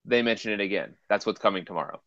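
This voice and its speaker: A man's voice: fairly low pitch, fast talker, a bit bright, dry recording. A man with a Boston accent co-hosting a casual gaming podcast, laid-back and brief, calling in from his phone. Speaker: podcast co-host. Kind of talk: casual chat. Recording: dull phone audio.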